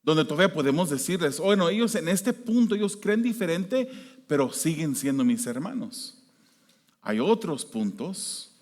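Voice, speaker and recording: A man from the United States preaching a sermon as pastor, shifting between loud emphasis and quiet, hushed prayer. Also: mid-range voice. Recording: long hall reverb.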